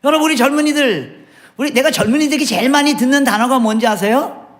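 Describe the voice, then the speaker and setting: A man with a very high voice preaches a sermon in a church. He is middle-aged and keeps asking his listeners questions. His delivery swings between full voice and near whispers. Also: quick pace. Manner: asks the congregation questions, shifts between loud and hushed speech. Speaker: missionary preacher. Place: church sanctuary.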